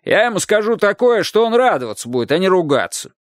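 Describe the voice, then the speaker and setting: Excitable rooftop neighbor, man, high shouted pitch, eager, pleading; male reader doing the voice. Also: quick pace, no echo, clean studio sound. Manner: shouting eagerly, swearing on his children.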